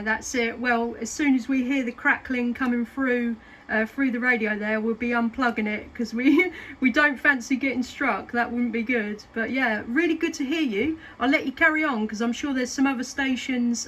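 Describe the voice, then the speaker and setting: A woman's voice: fairly high pitch, moderate pace, a bit bright, low-quality recording. A woman chatting casually as a CB radio operator. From southeast England. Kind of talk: casual radio contact chat. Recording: CB radio session with clear static noise. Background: radio static.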